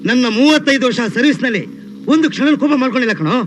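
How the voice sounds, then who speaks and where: A man's voice: extremely high pitch, animated, very fast, a little hiss or hum. A pompous politician who swears he never gets angry. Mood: insistent. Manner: overly polite, then shouting denials.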